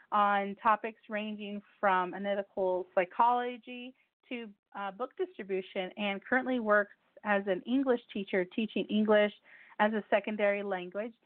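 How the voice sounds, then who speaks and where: A woman's voice: medium pitch, fairly even intonation, moderate pace, dry recording. A woman whose first language is Spanish hosts a call-in radio show in a chatty way, repeating details and stumbling over her words. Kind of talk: casual call-in radio hosting. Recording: tinny phone line, dry.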